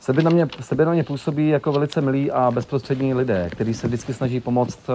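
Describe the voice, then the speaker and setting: Noticeable background noise runs under a man's voice. He talks fairly quickly, his pitch varying in an ordinary way. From South Moravia, Czech Republic. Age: 30s. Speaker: charity walker. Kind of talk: interview.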